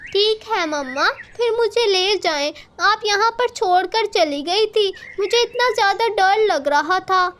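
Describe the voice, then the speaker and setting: Cartoon chick: a woman doing a little blind boy crow, innocent, pleading, very high. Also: animated, measured pace, hardly any pauses, fairly bright tone, exaggerated voice.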